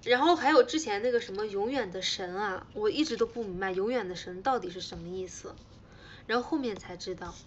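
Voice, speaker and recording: On a casual stream, a young idol host from China chats with her fans, teasing them and repeating herself. She talks a bit fast in a mid-range voice, and the lo-fi audio carries slight background noise.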